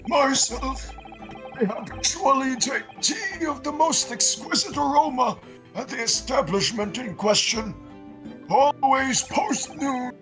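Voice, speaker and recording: A man's voice: extremely high pitch, lively intonation, slow, music in the background, voice pushed up, exaggerated voice, rough recording. A man voicing a pompous elderly male antique dealer in a video game, florid and long-winded.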